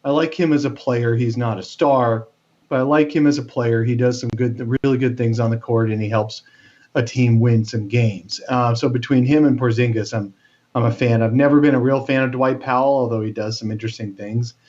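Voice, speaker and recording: A man's voice: mid-range voice, fairly even intonation, a little fast, a little mellow. A man co-hosting a casual sports podcast, talking with lots of fillers and restarts. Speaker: podcast co-host. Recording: dull lo-fi sound.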